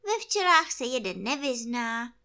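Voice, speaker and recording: Storybook: naive honey-loving teddy bear, put on by a woman, squeaky, lively, earnestly silly. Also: exaggerated voice. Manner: high, sing-song, earnestly silly. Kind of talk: storybook reading.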